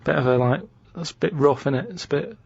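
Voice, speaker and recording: A man's voice: on the high side, fast talker, vocal fry, breathy edge, dry recording, dull audio. A man with a Manchester accent setting quiz clues on a radio show, rambling and hesitant, often repeating himself. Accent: English, Manchester. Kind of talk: casual radio banter. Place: radio studio.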